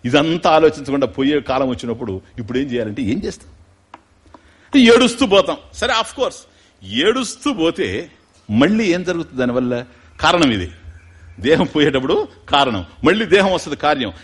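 A man giving a spiritual discourse, mixing explanation with slow, musical chanting of verses. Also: a little high, breathy edge. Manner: animated, chants Sanskrit verses slowly and musically. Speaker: spiritual lecturer. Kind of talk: devotional discourse.

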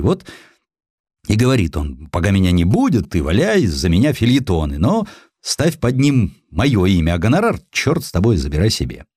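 Male narrator as old literary man, deep, very expressive, wry, florid, self-mocking, audiobook reminiscence, dry close sound. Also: breathy edge, no room sound. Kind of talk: dramatized audiobook character quotes.

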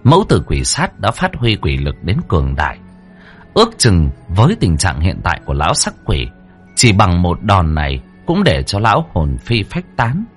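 A man's voice: low voice, huge pitch swings, moderate pace, soft background music. A man narrating a horror story dramatically.

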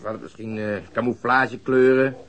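Male actor as stolid police detective, mid-pitched voice, pedantic, deadpan, radio play. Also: moderate pace, highs cut off, natural voice. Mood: doggedly deadpan. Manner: formal, deadpan, insistent. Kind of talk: radio drama acting.

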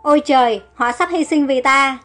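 A woman's voice: high voice, moderate pace, fairly bright tone, faint music behind. A compassionate young queen, read by a woman. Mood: distressed. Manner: pleading and distressed.

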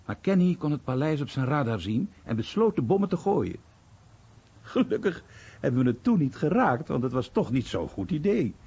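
A very husky, dark-toned male war veteran recounts his past soberly for radio. His intonation moves widely, and the sound is slightly dull. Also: fairly high pitch, very animated, normal speed, exaggerated voice. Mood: narrating. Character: American war veteran soberly recalling bomber days. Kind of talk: radio documentary-drama monologue.

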